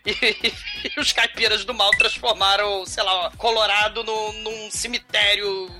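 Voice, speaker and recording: A man, co-hosting a crude, joking film podcast in quick bursts. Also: high-pitched, over music. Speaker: podcast co-host. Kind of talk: casual comedic film chat.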